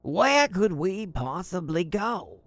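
A man performing a bewildered, world-weary sidekick in an audio drama. His drawling voice is creaky and swings widely in pitch, sounding incredulous. Faint music sits behind him. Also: very animated, slow pace, fairly bright tone, dry recording, exaggerated voice. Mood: nervous, confused. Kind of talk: audio drama character acting.

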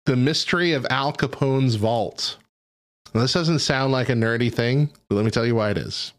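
A man's voice: medium pitch, normal speed. A man co-hosting a podcast, chatting casually and telling rambling stories full of fillers. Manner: rambling, laid-back storytelling with frequent fillers. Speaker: podcast co-host. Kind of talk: casual chat.

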